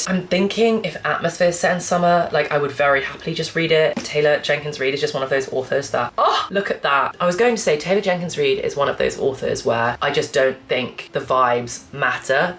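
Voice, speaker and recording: A young woman, croaky from a cold, chatting casually about books to camera with lots of restarts. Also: sits low, a bit bright, a little hiss or hum. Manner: chatty, rambling, full of "like" and restarts. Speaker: book vlogger.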